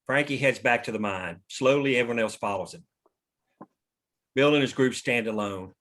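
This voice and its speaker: Mid-pitched male script narrator. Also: moderate pace, fairly bright tone. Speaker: narrator reading stage directions. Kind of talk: scripted narration at table read.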